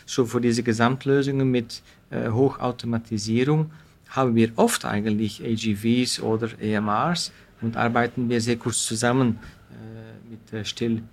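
A man's voice: medium pitch, fairly even intonation, normal speed. Belgian man, podcast guest at a trade fair, with fillers. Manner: slightly non-native grammar with frequent fillers. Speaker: company representative, guest.

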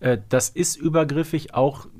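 A man's voice: a little high, fairly even intonation, moderate pace, a little mellow. Chatty middle-aged man, casual podcast host. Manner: chatty, exclamatory, colloquial. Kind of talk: casual fan discussion.

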